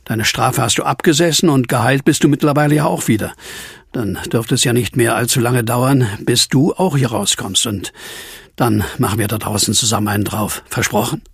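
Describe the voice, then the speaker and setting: A man acting in a German audio drama as an earnest, troubled former asylum inmate with a husky, gravelly voice. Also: mid-range voice, normal speed, no room sound, clean studio sound. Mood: warm, resolute.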